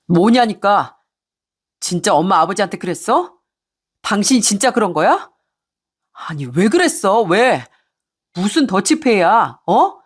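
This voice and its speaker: A woman's voice: medium pitch, big pitch swings, unhurried, long pauses, slightly rough. A woman voicing an exasperated young husband who demands answers from his wife. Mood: angry.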